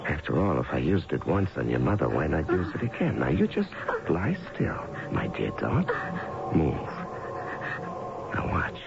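Very deep, gravelly, menacing convict. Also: male voice, wildly swooping pitch, exaggerated voice. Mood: sadistic, threatening. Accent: American. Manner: slow, taunting, mock-tender delivery. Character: menacing vengeful escaped convict husband, taunting and sinister. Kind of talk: radio mystery drama acting. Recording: muffled, noisy old radio broadcast recording.

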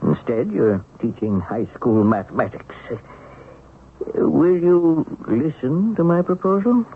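An actor with an American accent playing a wily, folksy seventy-six-year-old heist mastermind in a radio drama, coaxing and confiding. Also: male voice, a little high, animated, slow, a little hiss or hum. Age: older. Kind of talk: 1970s radio drama acting. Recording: muffled phone-like old radio broadcast.

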